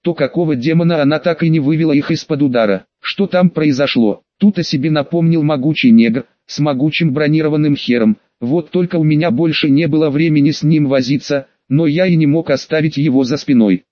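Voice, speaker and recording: A man's voice: fairly high pitch, no room sound, highs cut off. A man reading an audiobook in a wry, crude, conversational first-person manner. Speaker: audiobook narrator.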